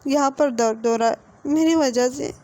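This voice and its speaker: A woman's voice: sits high, moderate pace, warm tone, close to an everyday voice. A woman voicing a timid young man who stammers and pleads through tears, in a fan-fiction retelling. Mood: tearful.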